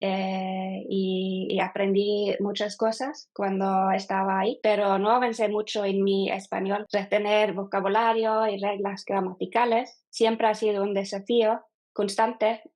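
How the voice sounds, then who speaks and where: A Norwegian woman in her thirties, a non-native speaker, answering as an interview guest, often pausing and restarting as she talks. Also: medium pitch, little pitch movement, a little mellow. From Norway. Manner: hesitant, with frequent fillers and restarts. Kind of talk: casual interview.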